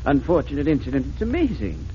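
A man's voice: medium pitch, wildly swooping pitch, fast talker. A man playing a fussy, earnest museum jewel expert, formal and precise, in 1940s radio drama style. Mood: puzzled, relieved. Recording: muffled, noisy 1940s radio recording.

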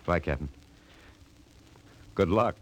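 An actor playing a weary, fatalistic renegade spaceman resigned to death, in slow 1950s radio drama style. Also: low voice. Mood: resigned farewell. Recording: faintly noisy old radio recording.

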